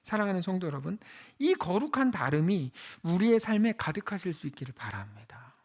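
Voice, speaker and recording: A male pastor delivers a conversational sermon, asking the congregation questions and swinging from loud exclamations to hushed lines. His voice sits high and sing-song, and he talks a little fast.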